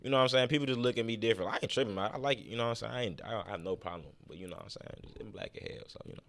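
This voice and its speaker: Laid-back deep-voiced man, slangy chat. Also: racing, vocal fry, fairly bright tone. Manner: laid-back, slangy, fills with "you know what I'm saying". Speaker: podcast guest. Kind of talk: casual chat.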